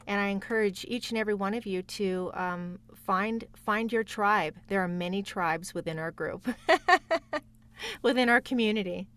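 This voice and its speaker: Woman voice actor on a podcast, casual and encouraging, talks right to listeners, medium pitch. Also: expressive, measured pace, a bit bright. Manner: encouraging, addresses listeners directly. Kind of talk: casual conversational interview.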